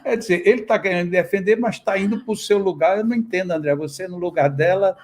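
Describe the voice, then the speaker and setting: Lively Brazilian man reading viewer comments. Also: high-pitched, quick pace. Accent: Brazilian Portuguese. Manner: lively, playful, reads comments aloud. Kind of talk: casual live chat.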